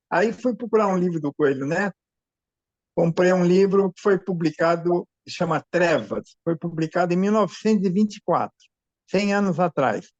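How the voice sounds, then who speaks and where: A man's high-pitched voice comes at a moderate pace with ordinary pitch variation and big swings in loudness, the sound dry and close with no echo. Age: 80s+. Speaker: author. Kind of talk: casual chat. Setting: video call. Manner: halting.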